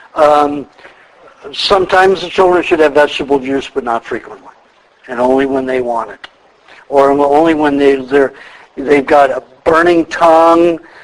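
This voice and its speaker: Against noticeable background noise, a man with a fairly high pitch talks at a moderate pace in a fairly even intonation, leaving long, frequent pauses. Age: 50s. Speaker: raw food diet teacher. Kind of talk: workshop lecture.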